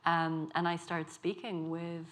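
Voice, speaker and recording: A woman in her thirties with a Dublin accent, an author speaking on a festival panel in a measured, reflective way. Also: lowish voice, flat delivery, a bit bright. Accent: Dublin Irish. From Ireland. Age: 30s. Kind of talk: panel discussion.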